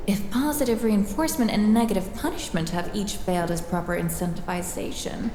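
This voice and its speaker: A woman's voice: medium pitch, lively intonation, fairly quick, dark tone, slight background noise, lightly acted. A woman playing a ruthless, witty lead scientist in an audio drama, dry, imperious and formally spoken. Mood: coolly calculating. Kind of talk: first-person audio drama narration and dialogue.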